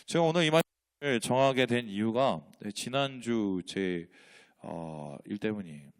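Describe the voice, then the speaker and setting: A man's voice: on the low side, expressive, measured pace. A man, a pastor, preaching a sermon with rhetorical questions and acted-out dialogue in changing voices. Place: church sanctuary.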